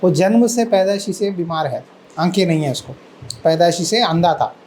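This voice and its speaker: A man with a high voice preaches a sermon as a pastor. He tells the story in an animated way, acts out the people in it and keeps asking the listeners questions before answering them himself. A faint noise sits under the recording. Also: normal speed, poor audio.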